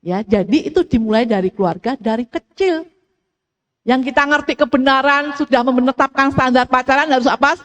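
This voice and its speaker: Woman preacher, middle-aged, high voice, animated storytelling, long reverb of a church hall. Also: normal speed, lo-fi sound. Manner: animated storytelling, acts out family dialogue. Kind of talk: sermon.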